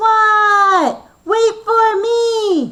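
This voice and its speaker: An extremely high-pitched, put-on character voice. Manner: loud, calling out.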